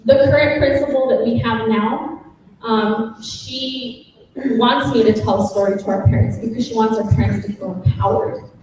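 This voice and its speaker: An earnest woman speaks about her path as a parent advocate, with frequent pauses. Her voice is fairly high and sounds distant, picked up from far off in a very echoey conference hall. Faint room noise sits behind her. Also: steady tone, darkish tone. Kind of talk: personal story at a symposium.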